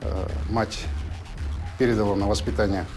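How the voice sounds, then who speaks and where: A male official gives a formal interview account in a lowish voice. He talks haltingly in stiff bureaucratic phrases, with clear music playing behind him. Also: steady tone, darkish tone. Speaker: official interviewee on a criminal case.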